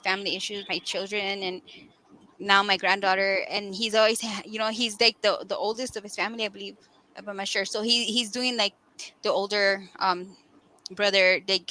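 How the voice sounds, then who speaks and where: A woman's voice: mid-range voice, bright, forceful tone, poor audio. An older woman chatting as a guest on a live stream, laughing often and acting out what people said. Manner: chatty, laughs often, acts out quoted voices. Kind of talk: casual chat on a live stream.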